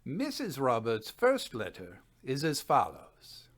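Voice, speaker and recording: A man performs a learned elderly physicist from 1914 in a dramatic reading. The delivery is formal and measured, middling in pitch, like a written report read aloud at home. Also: huge pitch swings, exaggerated voice. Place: small room at home.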